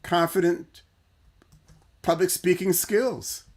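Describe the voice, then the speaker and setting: A man's voice: high voice, steady tone, slow, darkish tone. A man hosting a casual livestream debate, rambling playfully and laughing often as he questions his guest over a video call. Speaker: host.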